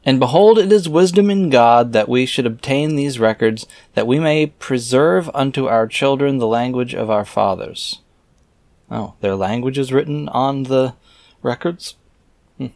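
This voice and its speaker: A man's voice: medium pitch, unhurried, darkish tone, dry recording. A man reading scripture aloud and breaking off for offhand, wry, skeptical comments, sometimes muttering as he thinks aloud. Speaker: reader and commentator.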